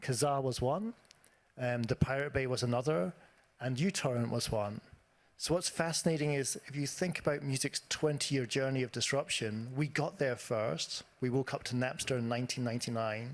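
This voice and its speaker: A man with a medium pitch and ordinary pitch variation comes through on a very clean recording over a silent background. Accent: Scottish. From Scotland. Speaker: economist and author. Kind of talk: conference talk. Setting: auditorium with audience. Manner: fast.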